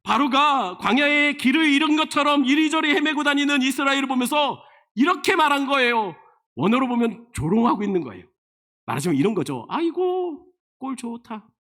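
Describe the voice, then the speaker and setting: A man who is a senior pastor, preaching a sermon emphatically with many rhetorical questions and frequent sudden drops to a low, quiet voice. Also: lively intonation, brisk.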